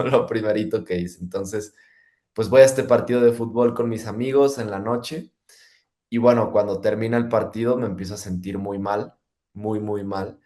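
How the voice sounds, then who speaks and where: A young man giving a personal testimony, retelling events in a lively way and filling gaps with "pues". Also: on the low side, normal speed. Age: young adult. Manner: lively retelling, acts out dialogue, frequent fillers. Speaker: testimony speaker.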